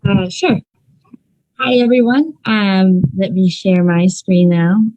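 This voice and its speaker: A woman's voice: medium pitch, takes it slowly, mellow, no echo, low-quality recording. A woman from Ecuador, a clinical psychologist, giving an online seminar talk over a video call in a conversational way with um fillers.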